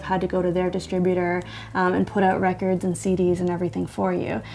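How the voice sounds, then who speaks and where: Noticeable background noise sits under a woman who speaks at a fairly quick pace. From Newfoundland, Canada. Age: 20s. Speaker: singer-songwriter. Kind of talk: documentary interview.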